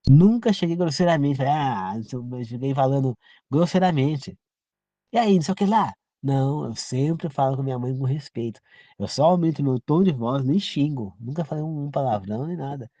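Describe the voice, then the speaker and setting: A man's voice: mid-range voice, a little fast, dark tone, dry recording, lo-fi sound. A man from Brazil giving an informal sermon, earnest and repetitive, often turning to the listener with direct questions. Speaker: preacher. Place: rural home.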